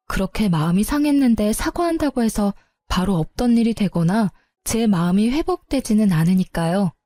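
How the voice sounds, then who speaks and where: Mellow woman narrating a personal story. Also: medium pitch, no room sound. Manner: resentful, confiding.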